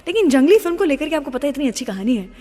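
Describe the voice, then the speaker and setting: A woman's voice: high-pitched, sing-song, rapid-fire, mellow. A woman with an Indian accent presenting a radio show, chatting and telling stories in a gushing manner and slipping in English phrases. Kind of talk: chatty radio presenting with film-star anecdotes. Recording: long reverb on the voice.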